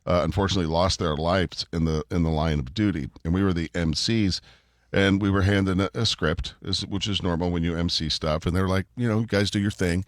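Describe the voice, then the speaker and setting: A man co-hosting a morning radio show, bantering playfully and reading comic verse with theatrical, drawn-out delivery. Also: deep voice, steady tone, no room sound, clean studio sound. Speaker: radio co-host. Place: radio studio. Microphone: studio microphone.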